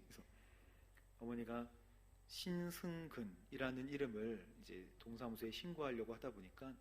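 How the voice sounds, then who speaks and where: Korean man preaching a sermon. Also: mid-range voice. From Gyeongsangnam-do, South Korea. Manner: earnest preaching, asks the congregation questions. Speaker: pastor.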